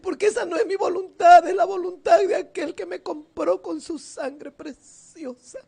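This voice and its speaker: Tearful, very high-voiced woman evangelist. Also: steady tone, moderate pace, creaky, dark tone. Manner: emotional, tearful preaching. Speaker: evangelist preacher. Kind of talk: sermon. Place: seated indoors.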